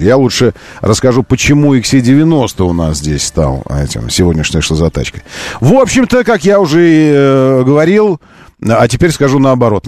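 A man hosting a live radio quiz show, chatting casually in a halting, self-correcting way with playful exasperation. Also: medium pitch, darkish tone, no room sound. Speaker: radio host.

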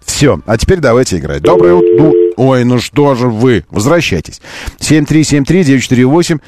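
Man hosting live radio, very animated intonation. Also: mid-range voice, a little fast. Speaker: radio host. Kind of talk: casual live radio quiz show chat.

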